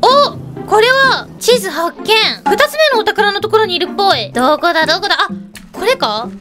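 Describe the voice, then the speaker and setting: A woman's voice sits extremely high and bounces all over the place, bubbly and exclaiming as she chats through a let's-play with a lilt. Loud game music plays right behind her. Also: expressive, moderate pace. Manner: bubbly, exclaiming, chatting to her pets and viewers. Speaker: gaming YouTuber. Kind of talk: excited Minecraft let's-play commentary.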